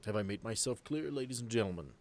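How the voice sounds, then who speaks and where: Man playing a stern low-voiced commander. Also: animated, fast, darkish tone. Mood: stern, commanding. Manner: formal, authoritative orders. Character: stern male commander briefing his squad.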